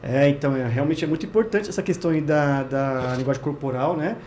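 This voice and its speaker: A man's voice: a little high, brisk, darkish tone, slight background noise. A man with a Brazilian accent hosting an interview show, affirming his guest and summing points up with tag questions. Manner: affirming, sums up, tags questions with "né?". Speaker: host.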